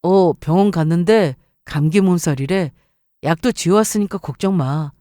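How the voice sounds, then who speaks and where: Female narrator as considerate young boyfriend, story-radio dialogue, soft dark tone, matter-of-fact. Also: on the low side, normal speed, no room sound, studio quality, close to an everyday voice. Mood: apologetic. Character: considerate, practical young man, the narrator's fiancé.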